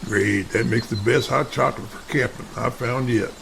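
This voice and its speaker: A man playing a folksy, plain-spoken seasoned hunter with a gravelly voice in an amateur audio drama. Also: medium pitch, moderate pace, lightly acted. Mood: easygoing. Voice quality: gravelly, creaky. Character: folksy, grumbling seasoned hunter on a camping trip. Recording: faint background noise.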